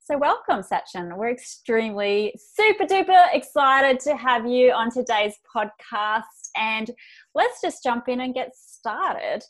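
A woman's voice: on the high side, animated, a little slow. A woman co-hosting a podcast, upbeat and eager, laughing along with her guest. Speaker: podcast co-host. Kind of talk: casual interview chat.

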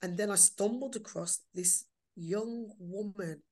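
A woman's voice: medium pitch, measured pace, dark tone. Woman with a Black Country accent. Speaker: podcast guest, performer and writer. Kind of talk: casual conversational interview.

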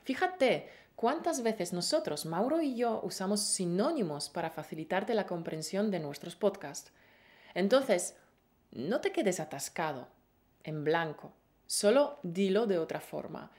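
A woman's voice: medium pitch, sing-song, a little slow, a little mellow. A woman co-hosting a Spanish-learning podcast, teaching in a playful, encouraging way with pet names. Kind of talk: lively scripted lesson.

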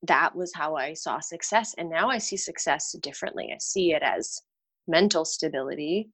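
A woman's voice: low voice, moderate pace, slightly rough. A woman from Romania, a guest on a podcast, talking candidly and with animation about her work and life. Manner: candid and animated, laughs at herself. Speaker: podcast guest, dental hygienist. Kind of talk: casual podcast interview chat.

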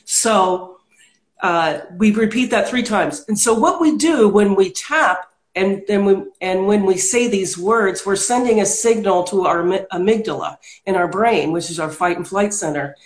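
A woman's voice: medium pitch, unhurried. Earnest woman explaining, roomy echo. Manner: earnest, walks through steps methodically. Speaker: podcast guest, hypnotist. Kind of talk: explanatory interview talk.

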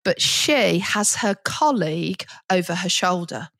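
A middle-aged woman, co-hosting a podcast and telling a lively anecdote with frequent laughter. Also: on the low side, unhurried, no room sound. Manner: lively storyteller, chatty, laughs often. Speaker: podcast co-host, teacher trainer. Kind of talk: casual chat, anecdote.

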